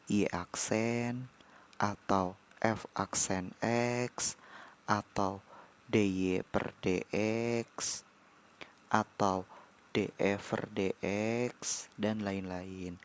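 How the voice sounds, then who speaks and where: Male tutor, lowish voice, unhurried measured lesson delivery. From Indonesia. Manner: measured, pauses between short phrases. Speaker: math tutor. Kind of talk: slow explanatory lecture.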